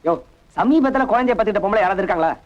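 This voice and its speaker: A jittery young bachelor, very high. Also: male voice, expressive, racing, lo-fi sound. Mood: flustered. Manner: nervous, flustered.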